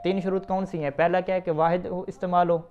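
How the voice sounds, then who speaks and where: In a dull, lo-fi recording, a male grammar teacher with a high, somewhat dark voice and a level tone reads an Arabic text quickly and then explains it in Urdu. He poses questions to the class and answers them himself.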